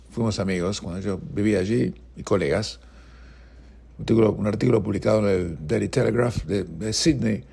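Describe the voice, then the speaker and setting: A man's voice: mid-range voice, vocal fry, a little mellow, breathy edge. A middle-aged man with an Argentine Spanish accent, hosting an opinionated news commentary show and speaking emphatically and indignantly, with frequent restarts. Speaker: political commentary host.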